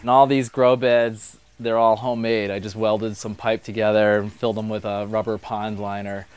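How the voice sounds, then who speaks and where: A man's voice: fairly low pitch, little pitch movement, moderate pace, clean tone. A man in his thirties casually explaining his homemade aquaponics setup in a greenhouse and at home, speaking plainly with fillers and restarts.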